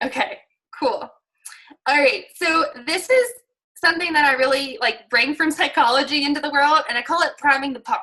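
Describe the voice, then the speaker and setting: A woman's raised, projected voice, high in pitch, with a bright, sharp tone, a moderate pace and long, frequent pauses. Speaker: fitness business coach. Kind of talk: live training talk. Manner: casual, filler-heavy.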